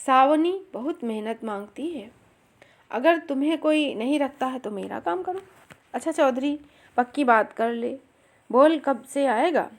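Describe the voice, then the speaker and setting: A woman voicing a commanding older village landowner who gives orders briskly. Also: high-pitched, animated.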